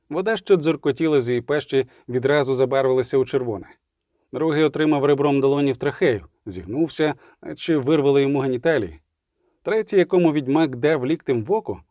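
A man reading an audiobook aloud in brisk, vivid action narration. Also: medium pitch, mellow, dry recording, studio quality. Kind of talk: scripted narration.

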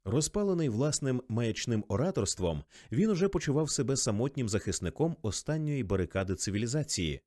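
A man narrating a novel as an audiobook, expressive and measured. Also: medium pitch, no room sound, clean studio sound. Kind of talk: scripted literary narration.

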